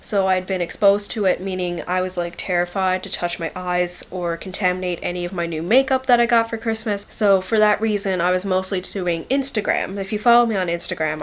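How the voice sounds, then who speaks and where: A young adult beauty vlogger, shy and quiet by nature, chats casually to the camera in a voice on the low side. Congested from a head cold, she rambles with lots of likes and ums.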